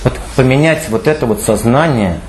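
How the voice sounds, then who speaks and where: A man's voice: expressive, moderate pace, slight background noise. A middle-aged man speaking off the cuff at a meeting, emphatic and repetitive, his voice rising when he urges people on. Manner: emphatic, repeats phrases, pitch climbs when urging. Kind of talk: impromptu public speech.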